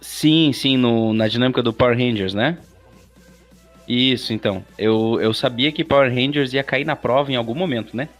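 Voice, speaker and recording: A man's voice: mid-range voice, moderate pace. Brazilian man chatting over music. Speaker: interview guest. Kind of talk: casual interview chat.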